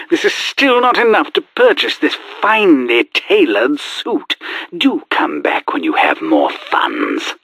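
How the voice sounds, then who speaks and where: An actor voicing a pompous, fussy, condescending posh British gentleman in a video game, with a genteel theatrical manner. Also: medium pitch, no echo, heavily acted. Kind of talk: video game character acting.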